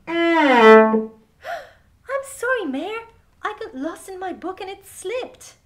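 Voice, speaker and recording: A woman's voice: very high-pitched, big pitch swings, takes it slowly, faint music behind, voice pushed up, exaggerated voice. A woman voicing an apologetic, flustered young bookworm boy in a children's storybook. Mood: flustered, sorry. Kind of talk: children's storybook read-aloud.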